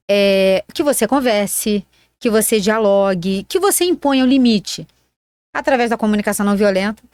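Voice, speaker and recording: A woman's voice: fairly high pitch, no room sound, studio quality. A woman co-hosting a casual podcast, speaking earnestly and emphatically, with many fillers. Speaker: podcast co-host.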